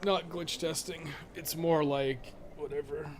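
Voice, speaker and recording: A man with a slightly high voice streams a game live, his tone steady and his pace unhurried, with crowd noise and clear background noise audible. His commentary is casual, rambling and blunt, full of free swearing as he thinks aloud.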